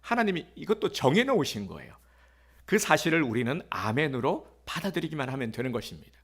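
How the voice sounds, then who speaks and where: A man's voice: on the high side, very animated, fast, a bit bright, slightly rough. A male pastor giving a sermon in a conversational way, with fillers, rhetorical questions and acted-out quotes.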